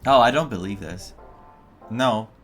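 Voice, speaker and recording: A man's voice: lowish voice, unhurried. Man giving incredulous game commentary over music. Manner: incredulous, repetitive muttering. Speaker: game streamer reacting to story. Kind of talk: casual reaction commentary.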